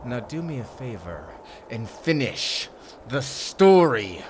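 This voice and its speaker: A man's voice: mid-range voice, big pitch swings, takes it slowly, slight background noise. A man playing a gloating, menacing fantasy villain in an audio drama, with a mocking, theatrical delivery. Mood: smug, menacing.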